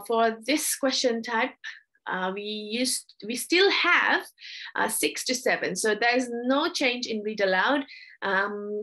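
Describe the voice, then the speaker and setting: Chatty woman tutor, slightly high voice. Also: fairly bright tone. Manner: chatty, apologetic, with frequent fillers. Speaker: English test tutor. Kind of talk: casual instructional explanation.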